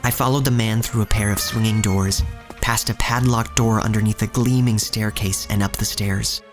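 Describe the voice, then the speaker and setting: A man's voice: fairly low pitch, steady tone, moderate pace, lightly acted. A man playing a wary young street thief who tells his own story as scripted audio drama narration. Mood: descriptive. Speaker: narrator and lead actor. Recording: music bed under the voice.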